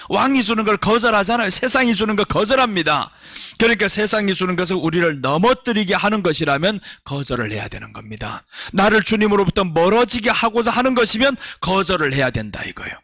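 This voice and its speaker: A male pastor preaching a sermon, telling Bible stories with animated delivery and voicing the characters. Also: high voice, no echo, studio quality. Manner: animated storytelling, acting out biblical characters' voices.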